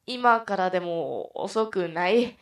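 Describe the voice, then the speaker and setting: A woman with a stuffy nose voicing an earnest young male rookie detective, talking down a hostage taker slowly and loudly in a put-on Kansai accent. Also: medium pitch, lively intonation, far from the mic. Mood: pleading. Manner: loud, slow, pleading.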